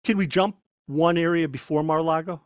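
A man, a former federal agent, telling stories in a conversational interview, animated and often repeating and restarting his words. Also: on the high side, a little fast, dry recording, highs cut off. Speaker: guest, former FBI agent. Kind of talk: conversational storytelling.

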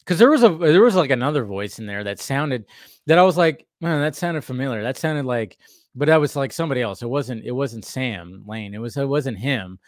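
A man's voice: mid-range voice, animated, a little fast, dry recording, studio quality. A man co-hosting a fan stream, chatting casually about a cartoon episode, laughing often and restarting his sentences. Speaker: podcast co-host.

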